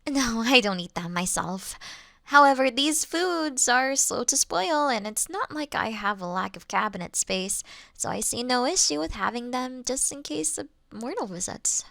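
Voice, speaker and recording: A woman performs a polite vampire girl, forever young in looks, for an audio roleplay. Her voice sits fairly high and is recorded very dry, with no room sound. She talks in a gentle, conversational, mildly wry way, as if putting a nervous guest at ease. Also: animated, normal speed, vocal fry, no echo. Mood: reassuring, businesslike. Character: childlike-looking ancient female vampire, polite, reassuring, mildly wry. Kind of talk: scripted audio roleplay addressed to the listener.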